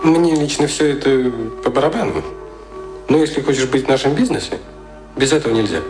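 A man acting a brash, domineering media boss in a radio drama, speaking in a blunt, slangy way with a husky voice. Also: medium pitch, a little fast, over music, lightly acted. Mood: offhand, brusque.

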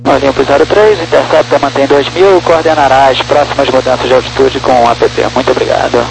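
Gravelly Brazilian pilot, man on noisy radio. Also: medium pitch, fairly even intonation, fairly quick. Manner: courteous, formal. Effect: radio transmission. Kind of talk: aviation radio readbacks. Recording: noisy, humming cockpit radio transmission.

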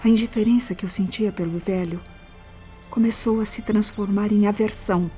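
An actress playing a vain, tormented young mistress confessing in a Brazilian radio drama, dramatic and breathy, with a Brazilian accent. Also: female voice, medium pitch, fairly even intonation, normal speed, dark tone, faint music behind, natural voice. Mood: troubled confession.

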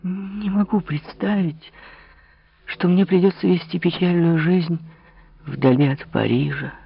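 A man voicing a young woman, a desperate lover pleading in breathy whispers in an audiobook reading, on a dull lo-fi recording. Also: medium pitch, pitched above the performer's own voice, natural voice.

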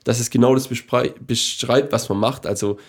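A young man co-hosting a podcast, talking in a loose, rambling way and pressing his opinions. His voice sits at a middling pitch, and he swears casually while he chats. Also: fairly even intonation, normal speed. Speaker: podcast co-host. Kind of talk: casual chat.

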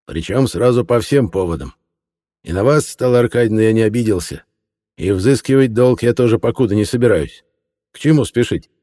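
A man voicing a sly, fussy old male antiquarian who speaks in a drawn-out, mock-kindly grandfatherly tone. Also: fairly low pitch, expressive, mellow, in a large hall, voice pushed up, natural voice. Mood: genial. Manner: slow, drawn-out, grandfatherly scolding tone.

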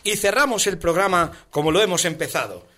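A comedian guest with a bright, fairly high voice recites a rhyming satirical poem and banters on the radio. His delivery is animated, fairly quick, rhythmic and emphatic, with colloquial clipped words.

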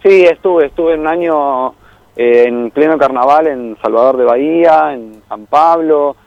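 A man's voice: fairly high pitch, unhurried, no room sound. Rambling young Argentine man, dull dry sound. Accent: Argentine Spanish. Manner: relaxed and rambling, many fillers, laughs easily. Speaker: guest, tour guide and traveler. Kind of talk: casual radio interview.

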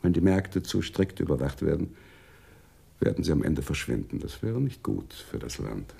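Very deep, gravelly, philosophical Arab businessman. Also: sing-song, warm tone, full character voice. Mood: matter-of-fact, polite. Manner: measured, musing, formally polite. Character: philosophical Arab businessman, polite, evasive, digressive. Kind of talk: radio drama acting.

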